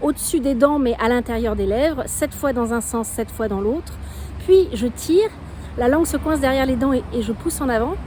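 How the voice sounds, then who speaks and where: Noticeable background noise sits behind a woman with a high pitch. She talks at a moderate pace with ordinary pitch variation. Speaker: voice and public speaking coach. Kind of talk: tutorial. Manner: hesitant, with filler sounds.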